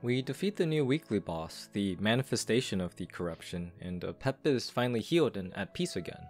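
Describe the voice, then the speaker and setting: A man's voice: fairly low pitch, big pitch swings, brisk, darkish tone, soft background music. A man giving scripted video commentary as he reviews and analyses a game's story. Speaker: game reviewer and lore commentator.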